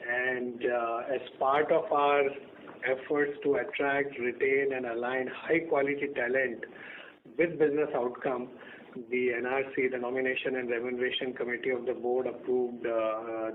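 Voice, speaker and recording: Male executive, medium pitch, measured but halting answers, narrow phone-quality audio. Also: fairly even intonation. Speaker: company executive. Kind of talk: answering analyst questions. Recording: noisy narrow phone-line call.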